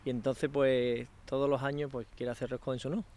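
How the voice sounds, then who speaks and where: A man's voice: medium pitch, level tone, fast talker, a little mellow. A man in his thirties, a chef and restaurant owner, explaining his work plainly in an outdoor interview. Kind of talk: casual interview. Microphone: handheld microphone.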